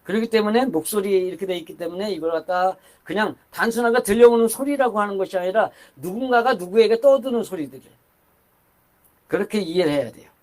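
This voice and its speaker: A man's voice: sits high, fast talker, a little mellow. An older man preaching a sermon in a conversational, rambling way, with asides and restarts. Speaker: pastor.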